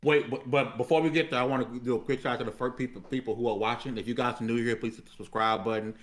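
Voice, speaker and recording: A man's voice: medium pitch, steady tone, fast talker. A man hosting a gaming live stream in casual, slangy talk with an emphatic manner.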